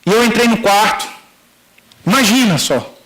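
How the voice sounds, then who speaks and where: A middle-aged Brazilian pastor with a notably high-pitched voice delivers a sermon testimony. He acts out the dialogue in the story and speaks straight to the listeners, calling them brothers. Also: expressive, normal speed, fairly bright tone, low-quality recording. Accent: Brazilian Portuguese.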